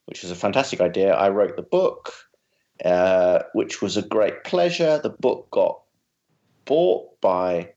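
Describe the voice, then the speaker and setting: A London man with a posh, very proper southern English accent chats casually and wryly as a podcast guest; he's a writer and comic character creator. His low voice is expressive, unhurried, and darkish in tone. He's on a remote video call, and the highs are cut off.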